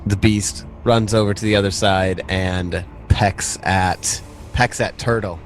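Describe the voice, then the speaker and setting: Low-voiced man running a tabletop game. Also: fairly even intonation, takes it slowly, a little hiss or hum. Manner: informal, conversational. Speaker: game master. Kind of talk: casual narration of a tabletop game.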